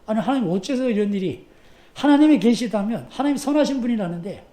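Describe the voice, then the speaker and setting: Brief: a pastor doing an indignant, pleading male prophet in a sermon, raised pitch, echoey church. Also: expressive, fast talker, warm tone. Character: exasperated male prophet protesting to God.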